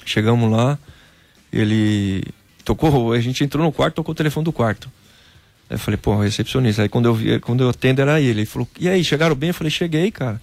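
A man from Brazil, a former footballer, telling a personal faith story in a casual interview, animated and peppered with "cara". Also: medium pitch, fast talker, vocal fry, dry recording.

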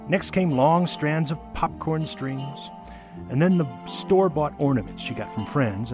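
Animated male storyteller over music. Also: mid-range voice. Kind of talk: dramatic reading of a Christmas memoir. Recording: music under the voice.

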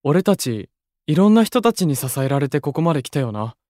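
A reserved young male idol in a Japanese voice drama. He talks in short, blunt, deadpan phrases with a soft heart underneath. The recording is dry and close. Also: on the high side, a little fast, dry recording. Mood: sincere. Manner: terse, deadpan, casual rough speech. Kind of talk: Japanese anime-style voice drama acting.

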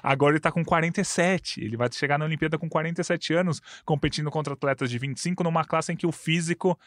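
A man in his thirties with a Brazilian Portuguese accent, talking sports in a casual chat, quick and full of stats. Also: fairly high pitch, fairly bright tone, dry recording, clean studio sound. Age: 30s. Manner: quick, detailed stats-heavy talk. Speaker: sports commentator.

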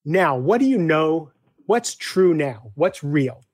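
A man speaking as a guest coach in a casual interview, animated, acting out back-and-forth dialogues with clients. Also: a little high, slow pace, no room sound.

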